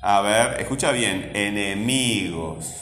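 A man's voice: medium pitch, fairly bright tone, slight background noise. Male teacher, patient coaxing questions, roomy classroom with long reverb. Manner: patient, coaxing questions, slow syllable-by-syllable modelling. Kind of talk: classroom grammar lesson.

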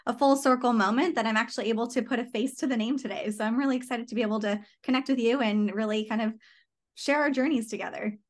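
Eager young-sounding woman guest, fairly high. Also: steady tone, quick pace. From Southern California. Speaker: podcast guest.

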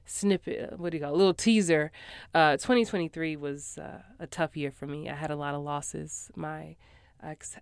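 Woman podcast host, low smooth voice, a bit congested, chatty and upbeat, dry booth sound. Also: no echo. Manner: chatty, upbeat, many fillers. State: stuffy from a cold. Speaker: podcast host, actor coach. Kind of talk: casual podcast monologue. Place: small home voiceover booth in a former closet.

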